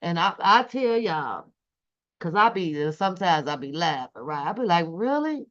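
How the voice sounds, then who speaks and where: A woman's voice: on the low side, lively intonation, moderate pace, fairly bright tone. An American woman hosting a casual livestream, commenting on video clips indignantly and repeating phrases for emphasis. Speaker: livestream host. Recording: dull, lo-fi livestream audio.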